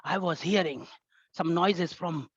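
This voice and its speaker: Woman, theatrical storyteller, halting dramatic phrasing, contest speech, dull lo-fi call audio. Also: on the low side, husky, no echo.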